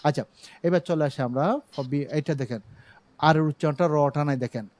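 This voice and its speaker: A middle-aged man with a Chittagong Bengali accent, teaching an online English pronunciation class from his own studio, explaining slowly and having students repeat words. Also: fairly high pitch, darkish tone. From Bangladesh.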